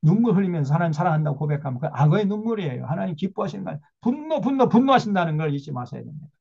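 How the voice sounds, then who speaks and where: A man's voice: a little high, expressive, rapid-fire, creaky, husky, lo-fi sound. A male pastor preaching a sermon emphatically, with rhetorical questions.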